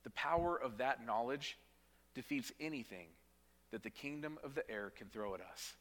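A man's voice: mid-range voice, normal speed. Preaching man in a reverberant hall. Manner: emphatic, with dramatic drops to quiet; restarts and repeats words while preaching. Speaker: pastor. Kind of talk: sermon. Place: church sanctuary.

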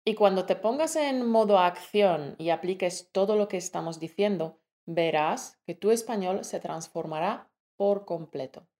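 A woman co-hosting a language lesson, speaking clearly and deliberately and calling the listener an endearment. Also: mid-range voice, dark tone. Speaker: language teacher, co-host.

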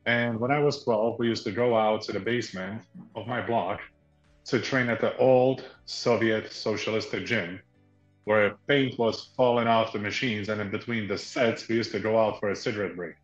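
Low-voiced man, roomy sound. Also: steady tone, lo-fi sound, soft background music. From Slovakia. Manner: measured, explanatory, often slows to stress key points. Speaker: guest, fitness product founder. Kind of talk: explanatory interview answers.

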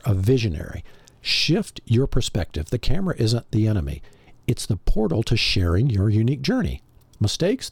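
A man's voice: lowish voice, a little mellow, husky, dry recording. A man hosting a podcast with a scripted motivational monologue, addressing the listener directly and rhetorically. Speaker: podcast host.

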